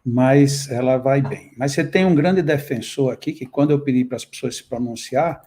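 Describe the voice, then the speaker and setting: A man with a Brazilian Portuguese accent, co-hosting a live talk and reading viewers' comments aloud in a lively, playful way. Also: mid-range voice, moderate pace. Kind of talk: casual live chat.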